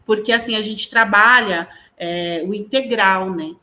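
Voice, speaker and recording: A woman's voice: medium pitch, unhurried, sharp tone. A middle-aged woman with a Brazilian Portuguese accent, an educator talking animatedly as an interview guest and often checking in with tag questions. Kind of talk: conversational interview talk.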